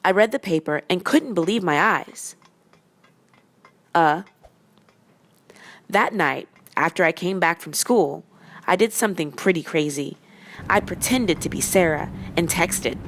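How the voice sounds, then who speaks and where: A woman with a fairly low voice narrates a first-person story. Her telling is casual and confessional, as if letting the listener in on a secret. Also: lively intonation, measured pace, pauses often.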